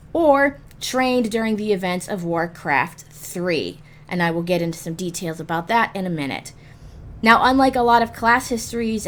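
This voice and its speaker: A woman with a medium-pitched voice presents a scripted how-to guide. She speaks deliberately, setting off key words with pauses for emphasis. Soft music plays behind her narration. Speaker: host of a roleplay guide series.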